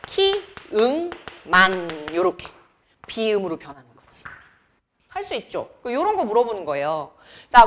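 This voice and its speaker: A young woman gives a classroom grammar lecture in a chatty way, firing quick questions at her students. Her voice sits a little high and swings widely in pitch. She keeps checking that the class is following. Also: fairly bright tone. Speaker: Korean grammar teacher.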